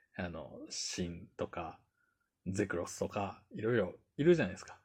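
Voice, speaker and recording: A man speaks at a moderate pace in a dark, mellow tone with vocal fry, his pitch swinging very widely over a quiet background. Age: 40s. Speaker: solo podcaster. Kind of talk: casual solo talk. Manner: cheerful, frequent laughter; many filler words.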